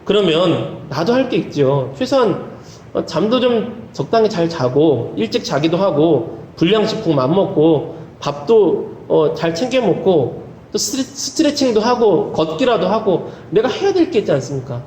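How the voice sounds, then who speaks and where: A man's voice: high-pitched, very animated, normal speed, darkish tone, slight background noise. A male pastor preaching a sermon in a church, earnest, with folksy humorous asides. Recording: roomy church hall, faint ambience.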